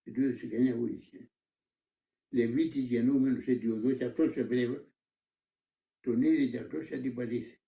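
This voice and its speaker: An older man, a monastic elder, slowly retelling a parable with many repetitions in an interview, recorded in a roomy space from a distant mic. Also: mid-range voice, fairly even intonation, vocal fry, mellow. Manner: slow, repetitive storytelling.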